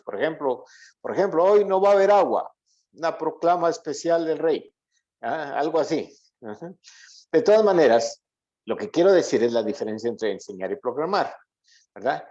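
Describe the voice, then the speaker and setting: A man with a medium-pitched voice teaches the Bible to a congregation. He explains in a didactic way and often stops to ask short checking questions. The recording is dull and lo-fi. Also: a little mellow. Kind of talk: interactive Bible lesson to a congregation. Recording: dull, lo-fi, muffled audio.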